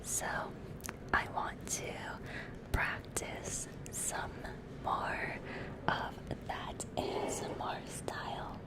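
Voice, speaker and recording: A woman hosting casual ASMR, whispering gently to her listeners. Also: very slow, low-quality recording. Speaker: ASMR streamer and host. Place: dimly lit room indoors.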